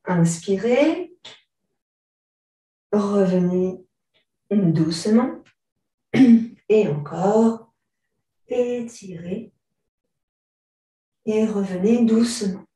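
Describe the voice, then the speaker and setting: A woman teaching a yoga and stretching class, giving slow, calm instructions and often clearing her throat. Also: medium pitch. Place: large room during an online class. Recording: very echoey room, far from the mic.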